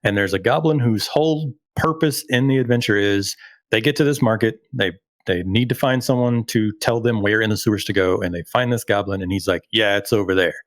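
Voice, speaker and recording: A man's voice: fairly low pitch, a little fast, dry recording. A man in casual chat, a game master telling rambling, self-deprecating stories about running games.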